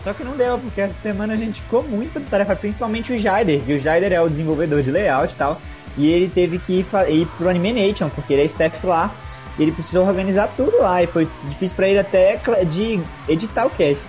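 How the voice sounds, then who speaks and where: A young man with a Brazilian accent co-hosting a casual podcast chat, telling stories in an animated way and acting out the people in them. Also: high-pitched, quick pace, soft background music. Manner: animated storytelling, acts out voices in anecdotes. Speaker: podcast co-host.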